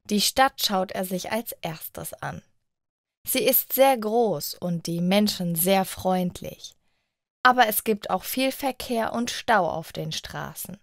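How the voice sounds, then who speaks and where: A woman reading a scripted short story for language learners in a measured way, sentence by sentence. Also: medium pitch, creaky, no echo, clean studio sound. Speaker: narrator of short stories for German learners.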